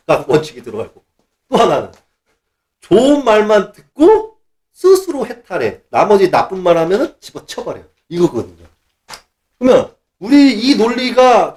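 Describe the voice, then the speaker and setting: Man, preacher, sermon, high voice, wide-ranging pitch, animated, mocking impressions.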